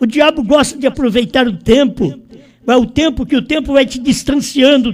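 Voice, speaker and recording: A man's extremely high-pitched voice at a moderate pace, with ordinary pitch variation. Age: 70s. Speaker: pastor. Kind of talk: sermon.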